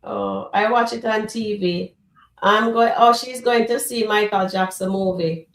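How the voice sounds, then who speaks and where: A woman's voice: mid-range voice, fairly even intonation, measured pace, vocal fry. A woman from Jamaica, chatting casually on a live stream, mostly giving short agreeing replies and reading out viewer comments. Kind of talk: casual chat. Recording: echoey room.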